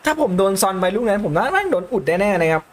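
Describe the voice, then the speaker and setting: A young man commentating his own football video game match, calmly explaining tactics between loud excited outbursts. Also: high-pitched, fast talker. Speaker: gaming YouTuber. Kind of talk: live gameplay commentary.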